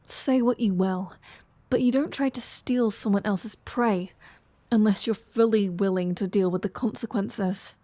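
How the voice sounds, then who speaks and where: A woman plays a vampire who is teasing, sardonic, wry and indignant, addressing the listener directly in an intimate audio roleplay. Her mid-range, mellow voice is casual and flirty, unhurried, with sighs and drawn-out phrasing, and only lightly acted. The recording is very dry, with no sense of a room.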